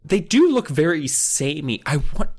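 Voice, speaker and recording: Animated, profane man chatting casually. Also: fairly high pitch, moderate pace. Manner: profane, exaggerated exasperation. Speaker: podcast co-host. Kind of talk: casual comic chat, critiquing book covers.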